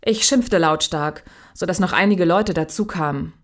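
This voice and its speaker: An actress playing a blunt, guarded young machinist in a sci-fi audio drama, speaking colloquially with some hesitation. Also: female voice, lowish voice, normal speed, natural voice. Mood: recounting uneasily. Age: young adult. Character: young working-class woman machinist, casual, blunt, guarded.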